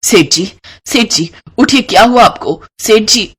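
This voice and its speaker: A woman's voice: mid-range voice, expressive, a little slow, fairly bright tone, husky, pitched above the performer's own voice, exaggerated voice. A woman voicing a greedy, scheming middle-aged maidservant with sugary, coaxing talk in a cartoon story. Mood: alarmed.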